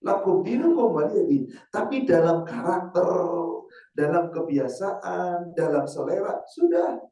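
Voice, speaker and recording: A man, an Islamic teacher, giving a casual sermon to a women's study group, quizzing the audience with rhetorical questions and reciting verses slowly. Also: high voice, animated, warm tone. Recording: roomy hall, mic far off.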